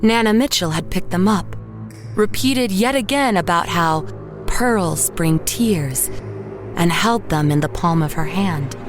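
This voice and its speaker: Anxious female painter, lowish voice, haunted, measured horror-drama narration, brooding, faint music behind. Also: animated. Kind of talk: scripted first-person horror audio drama narration. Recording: music underneath the voice. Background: background music.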